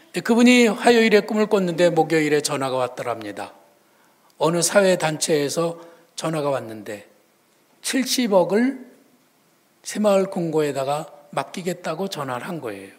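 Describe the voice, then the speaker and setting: A male pastor preaching a sermon in a conversational storytelling manner, his voice swinging between loud and hushed. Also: fairly high pitch, lively intonation, normal speed.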